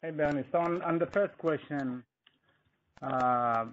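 A male company executive answering analysts on an earnings call, halting, with non-native phrasing. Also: a little high. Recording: muffled, noisy conference call line with clicks.

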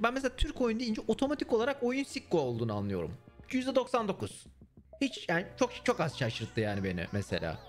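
A young man, chatting casually with his stream viewers in a blunt, swearing manner. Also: sits high. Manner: blunt, swears and mocks freely. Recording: faint music underneath.

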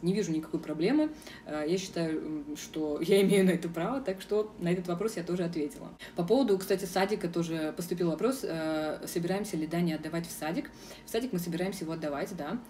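A woman's voice: fairly low pitch, fast talker, warm tone, distant mic, a little hiss or hum. A young woman from Russia answering viewers' questions in a casual vlog, frank and firm, with many hesitation sounds. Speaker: vlogger. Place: outdoors in a city square.

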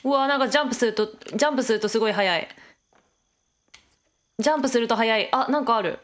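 Fast-talking and fairly high-pitched, this young woman is a game streamer narrating a Let's Play to herself. Laughter comes often, along with exclamations of surprise as she reacts to the game.

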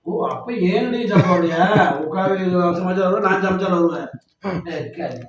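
A man rattles off teasing complaints in a comic family sketch, his voice high and his pace quick. The recording is roomy and dull, picked up from a distance with faint background noise. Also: crowd noise. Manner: loud, teasing, mock-indignant complaining. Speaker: father in family comedy sketch.

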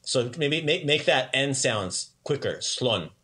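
A man teaching a casual language lesson in an upbeat, chatty way, repeating words slowly for learners. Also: medium pitch, lively intonation, pushed and bright.

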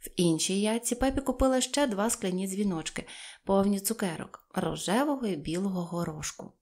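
A woman's voice: medium pitch, a little fast, a little mellow. Woman reading a children's story. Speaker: audiobook reader.

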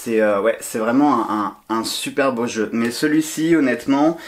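Casual male vlogger at home, average pitch, chatty and warm about his card collection, loose delivery with fillers. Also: normal speed. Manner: chatty, many fillers and restarts, enthusiastic about card decks. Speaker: tarot and oracle card YouTuber. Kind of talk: casual vlog talking to viewers. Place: home during a move, sorting boxes.

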